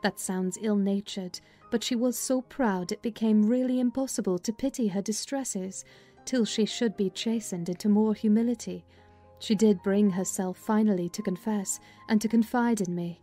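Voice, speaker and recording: A woman playing a plain-spoken housekeeper, recounting family history in a measured dramatized literary reading. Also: medium pitch, warm tone, natural voice. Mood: measured, candid. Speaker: audiobook narrator. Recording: music bed behind voice.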